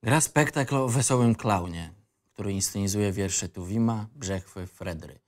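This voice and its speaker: An actor as a low-voiced, disillusioned young man. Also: unhurried, natural voice. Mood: wry, bitter. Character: disillusioned, rambling man in his twenties telling his life story. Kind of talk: first-person narration in a screenplay reading.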